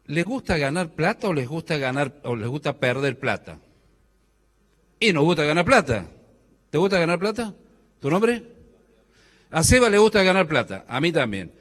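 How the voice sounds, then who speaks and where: A man's voice: on the high side, a bit bright. A middle-aged man from Córdoba, Argentina, with a Cordoban accent, giving a joking conference talk and quizzing the audience with questions. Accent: Argentine Spanish, Córdoba. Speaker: speaker at a business conference. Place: large hall. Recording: hall reverb.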